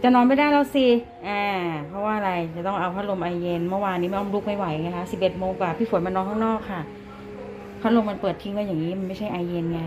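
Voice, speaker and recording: A woman's voice: mid-range voice, fairly even intonation, quick pace, background noise. A woman in a casual home vlog, chatting to viewers and talking to her cats like a mother. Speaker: cat and rabbit keeper filming her pets.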